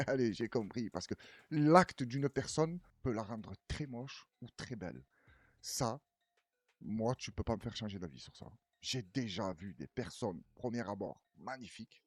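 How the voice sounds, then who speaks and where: Male host, husky and low, loose rambling reaction talk. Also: dry recording. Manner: rambling, chatty, laughs often. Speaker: news commentary host. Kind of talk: casual reaction commentary.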